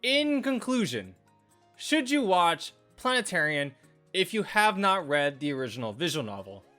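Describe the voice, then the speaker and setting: Reading from a script, an anime and visual novel reviewer delivers his video review over background music. His high-pitched voice is bright and forceful with a sing-song quality, at a moderate pace.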